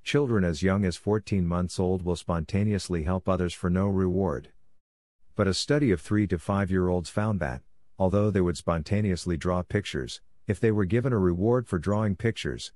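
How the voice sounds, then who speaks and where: Deep, mellow man reading aloud. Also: normal speed, no room sound, clean studio sound. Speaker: reader of practice test passages. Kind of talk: scripted read-aloud, model answer.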